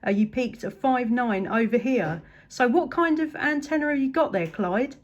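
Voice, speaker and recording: Upbeat english lady doing cb radio chat, voice on the high side. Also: lively intonation, normal speed, dull audio, a little hiss or hum. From England. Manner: upbeat, appreciative. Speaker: CB radio operator. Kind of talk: casual radio contact chat.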